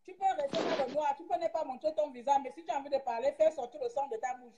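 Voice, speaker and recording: A woman's voice: high-pitched, fast talker, reverberant, muffled recording, noisy background. A woman hosting a casual livestream, agitated and openly saying she is angry and impulsive. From Gabon. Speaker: livestream host. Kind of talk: casual live-stream talk.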